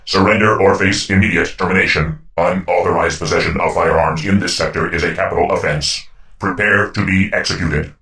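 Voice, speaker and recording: A man's voice: deep voice, steady tone, fairly quick, gravelly, pushed and bright, far from the mic, exaggerated voice, low-quality recording. A man voicing a cold, officious robotic security enforcer in a video game, issuing impersonal threats, sounding away from the mic. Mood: cold, threatening. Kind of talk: scripted video game announcements.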